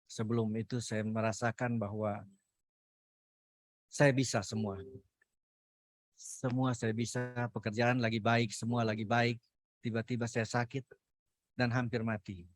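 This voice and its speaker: A man gives an earnest, emotional personal testimony at a Christian fellowship, sometimes breaking off mid-phrase or dropping to a hush. His mid-range voice has little pitch movement and a measured pace, with long pauses.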